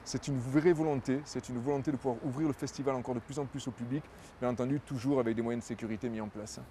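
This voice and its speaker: A man's voice: mid-range voice, fairly even intonation, fast talker, mellow, slight background noise. A man, a festival director, answering interview questions in a fluent, promotional way, repeating words as he thinks.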